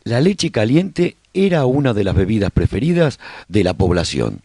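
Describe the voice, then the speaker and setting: A man acting as a survivor of a collapsed world tells his story in a radio drama. His voice is low and husky, with melody that rises and falls freely as he addresses listeners directly. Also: a little mellow, dry recording, studio quality, full character voice. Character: male survivor broadcasting his community's story after humanity's collapse.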